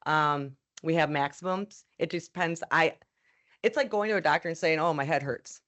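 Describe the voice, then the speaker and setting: A woman's voice: low voice, normal speed, a bit bright. Chatty woman on an advertising panel. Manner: conversational, many fillers and restarts. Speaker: media sales panelist. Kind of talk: panel discussion answer. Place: event room with live audience.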